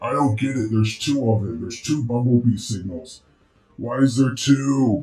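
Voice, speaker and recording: Using a put-on character voice, a man speaks at medium pitch with fairly even intonation. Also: moderate pace. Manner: puzzled.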